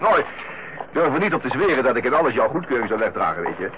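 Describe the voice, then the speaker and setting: A noisy, dull old radio recording of an actor playing a jovial younger brother in a radio play. He banters in a middling male pitch. His manner is lighthearted and teasing, that of an easygoing family man. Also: very animated, quick pace, natural voice. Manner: jovial, bantering, chuckling way of talking. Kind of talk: naturalistic Dutch radio play acting.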